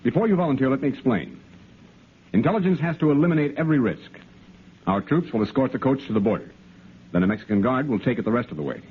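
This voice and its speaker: A brisk army intel lieutenant, lively up and down delivery, tinny old radio sound. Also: male voice, medium pitch. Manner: crisp, explanatory, officer-like. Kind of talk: 1950s radio drama acting. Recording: tinny 1950s radio broadcast.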